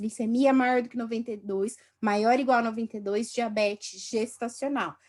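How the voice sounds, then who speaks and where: At a moderate pace, an unremarkable speaking voice with ordinary pitch variation comes through a very clean recording with a silent background. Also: woman. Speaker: gynecologist teaching exam review. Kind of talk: lecture. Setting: live stream.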